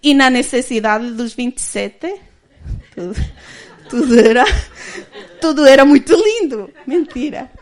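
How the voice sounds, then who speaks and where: A woman's voice: sits high, expressive, measured pace, long pauses, a little mellow. A woman in her thirties giving a candid personal testimony as a church speaker, often laughing as she tells it.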